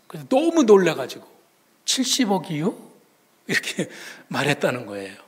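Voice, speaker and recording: High-voiced male pastor telling stories. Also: animated, moderate pace. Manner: conversational storytelling, swings between loud and hushed. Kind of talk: sermon.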